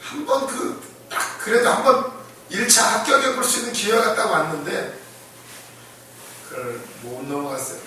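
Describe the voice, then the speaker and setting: A man gives a lively, conversational sermon, acting out the shouting in the story he tells and often breaking into laughter. His voice sits high and bright for a man. He is recorded from a distance in a very echoey church, with faint room ambience behind him. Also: moderate pace, pauses often, slight background noise. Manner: animated, acts out the blind men's shouting, laughs often. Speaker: preacher. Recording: echoey room, voice from far off the mic.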